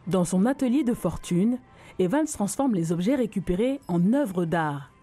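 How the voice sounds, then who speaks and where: A woman narrating a scripted news report in a calm, even way. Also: mid-range voice, moderate pace, soft background music.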